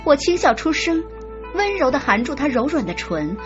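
High, lively woman narrating a romance. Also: normal speed, highs cut off, over music. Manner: expressive, acting out the heroine's lines. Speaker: audiobook narrator. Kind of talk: expressive romance novel narration.

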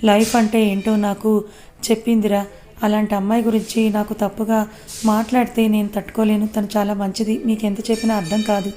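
A woman's voice: medium pitch, level tone, brisk, dark tone, natural voice. A woman voicing a lovesick young man who insists and defends the girl he cares for.

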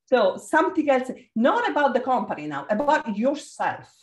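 Italian-accented woman facilitating over a video call, lively and encouraging, roomy echo. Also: sits high, normal speed. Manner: energetic, encouraging, calls on participants. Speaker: workshop facilitator. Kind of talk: leading a group video call.

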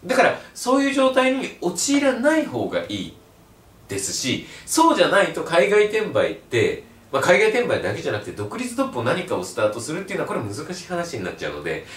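A man giving a blunt, animated video lecture as an online resale instructor. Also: a little high, distant mic. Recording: roomy echo, mic set back.

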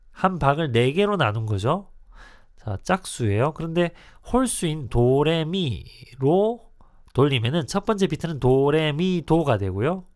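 Guy teaching guitar, counts beats out loud, bouncy pitch, dry close sound. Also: no echo. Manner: counting beats aloud in a patient, step-by-step way. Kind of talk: spoken music lesson.

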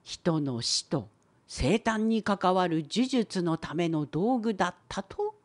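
A woman voicing a wise, opinionated old professor in an educational cartoon, with a creaky, husky old-timer voice and a wry lecturing manner. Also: lowish voice, animated, takes it slowly. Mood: explaining. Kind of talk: scripted educational cartoon dialogue.

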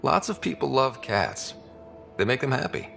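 Mid-pitched man, earnest, supportive human explorer hero, video game drama. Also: very animated, normal speed, vocal fry, a bit bright, soft background music, full character voice.

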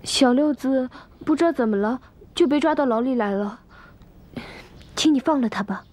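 A woman's voice: high-pitched, sing-song, racing, dark tone, breathy edge, full character voice. An actress playing a spoiled young noblewoman who pleads tearfully in a period TV drama. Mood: pleading. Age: young adult. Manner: plaintive, tearful.

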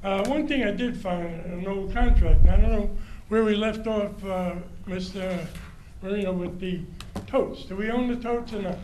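An older man speaking as a citizen at a public comment microphone in a large council chamber, friendly and halting, with many restarts. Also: high voice, a little mellow. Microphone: standing microphone. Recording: roomy hall sound, faint hum.

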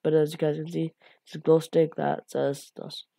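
A woman walks through a coding tutorial in a low, mellow voice, rambling with fillers and apologizing for her slips. Her voice sounds a little raspy from the late hour. The recording is close and dry. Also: level tone, moderate pace, dry recording. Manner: rambling, self-deprecating, lots of fillers and apologies. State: a bit raspy from being up late.

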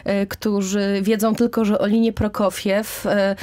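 A woman's voice: mid-range voice, level tone, measured pace, dark tone. A female radio host in her thirties speaks into a close studio microphone. Her interviewing is conversational. She often hesitates, searching for the next word. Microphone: close studio microphone with headphones.

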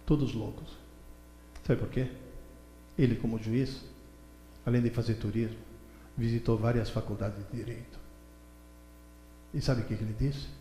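A man in his seventies giving an animated lecture on a stage, telling stories with mimicked voices and indignant outbursts. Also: mid-range voice, normal speed, pauses often, slight background noise. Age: 70s. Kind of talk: animated lecture to a seminar audience. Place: large hall with a stage. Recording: echoey hall recorded from far off.

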